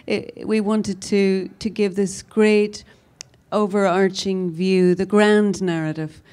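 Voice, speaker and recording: A woman, a film producer, answering at a panel in a warm, measured way. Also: mid-range voice, fairly even intonation.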